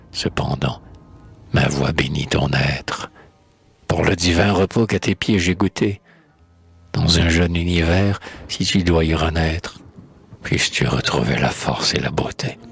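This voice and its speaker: Very deep, husky man reciting solemn poetry. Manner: declamatory, elegiac, measured phrasing. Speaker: poetry reader.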